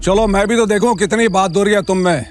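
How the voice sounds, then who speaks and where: An actor playing a hulking scarred gangster boss who taunts his victims in rough street talk. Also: sits high, quick pace, faint music behind, lightly acted. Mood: taunting.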